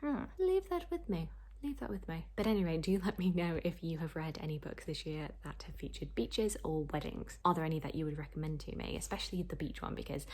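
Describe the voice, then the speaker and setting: A woman's voice: low voice, expressive, a little fast, darkish tone. A young woman chatting casually to camera as a book vlogger, in a rambling, self-deprecating way.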